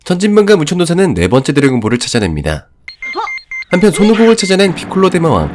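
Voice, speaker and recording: Fast, animated man narrating a recap. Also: on the high side, noisy background. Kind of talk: scripted narration of an anime review.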